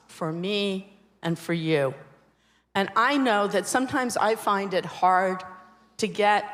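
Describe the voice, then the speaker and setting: A woman moderating a live panel discussion at a conference, asking her guests questions in a measured, inviting way. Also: lowish voice. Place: large conference hall. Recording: long hall reverb.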